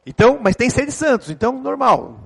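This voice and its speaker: A middle-aged man from Brazil with a Brazilian Portuguese accent, preaching a sermon with joking, animated storytelling. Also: extremely high pitch, brisk, gravelly, slightly rough. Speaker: pastor.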